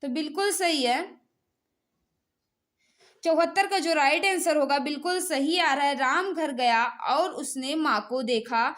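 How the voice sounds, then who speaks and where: High-voiced Indian woman teaching a quiz. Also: measured pace, fairly bright tone. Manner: repetitive, instructional, prompting students. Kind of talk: live exam quiz lesson, reading questions and giving answers.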